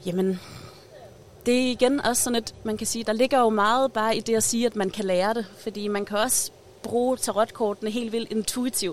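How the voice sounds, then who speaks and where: A woman speaks in a normal speaking voice at a moderate pace, her pitch fairly high and her intonation fairly even. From North Zealand, Denmark. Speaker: artist and art historian. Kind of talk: interview. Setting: outdoors.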